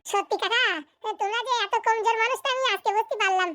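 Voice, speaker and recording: A man voicing bickering, folksy village men in a comedy cartoon, with a rural Bengali accent and a pitched-up voice. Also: quick pace, sharp tone, dry recording, clean studio sound. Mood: mocking. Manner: folksy, teasing, exclamatory.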